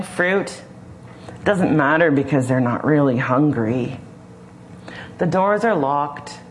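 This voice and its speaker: A woman with a low voice who tells a scripture story at an unhurried pace, pausing to wonder aloud. Faint room hum underneath. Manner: slow, imaginative, gently questioning. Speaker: preacher. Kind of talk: storytelling sermon.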